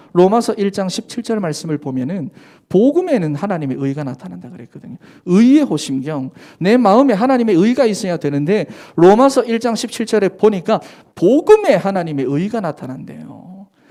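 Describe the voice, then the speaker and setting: A man with a dark, mellow tone speaks at a high pitch, with very wide pitch swings and big swings in loudness. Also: moderate pace. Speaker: pastor. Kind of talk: sermon. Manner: animated.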